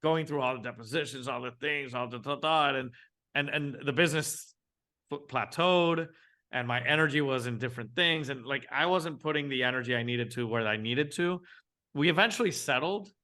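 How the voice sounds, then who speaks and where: A man, telling his business story as a guest in a casual interview, animated and often restarting his sentences. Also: mid-range voice, moderate pace. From Venezuela. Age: 40s. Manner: animated, frequent restarts, acts out his own thoughts. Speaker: guest entrepreneur.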